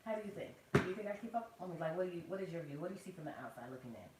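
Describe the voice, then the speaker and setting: A woman hosting a casual planner livestream with a soft, soothing voice, chatty and quick to laugh, speaking. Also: on the low side. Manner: chatty, laughs often, slow and relaxed. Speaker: planner channel host. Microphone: external mic, later removed. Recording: roomy, distant, faint background noise.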